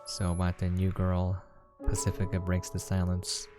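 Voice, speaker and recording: A man's voice: low-pitched, monotone, moderate pace, over loud music. A man reading a visual novel aloud as a gameplay host, dropping in casual, conversational asides.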